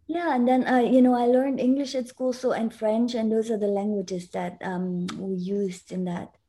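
A woman's voice: fairly high pitch, steady tone, moderate pace, mellow. A woman from Italy whose first language is German, a guest in an interview, talking earnestly and explaining things with frequent restarts. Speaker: guest educator. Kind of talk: conversational interview.

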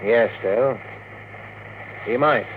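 An actor playing a measured, candid lawyer advising a client in a 1950s radio drama. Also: male voice, medium pitch, close to an everyday voice. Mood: grave, careful. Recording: muffled, faintly noisy 1950s radio recording.

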